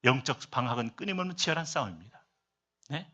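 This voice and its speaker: Bright-voiced Korean pastor preaching emphatically. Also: male voice, medium pitch, very animated, fast, lo-fi sound. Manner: emphatic preaching with rhetorical questions and swings between loud and soft. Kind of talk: sermon. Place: church service.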